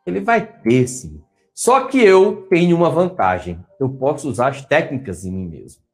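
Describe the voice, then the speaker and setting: A man's voice: medium pitch, moderate pace, faint music behind. A man with a Brazilian Portuguese accent, giving a motivational talk as a coach and coaxing his audience to answer. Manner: animated, coaxing, asks listeners to answer.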